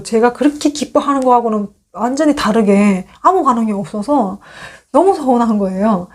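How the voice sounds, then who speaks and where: A woman in her thirties, originally from North Korea, telling a personal story in a casual monologue and acting out the dialogue as she goes. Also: on the high side. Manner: animated, acts out quoted dialogue. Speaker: YouTube host sharing her story.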